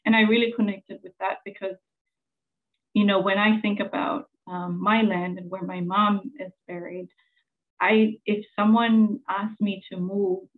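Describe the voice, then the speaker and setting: Samoan woman presenter in her forties, earnest and halting, flat monotone, phone-thin sound. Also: medium pitch, phone-quality sound. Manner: earnest, halting with many fillers. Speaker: journalist presenter. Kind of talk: conference presentation.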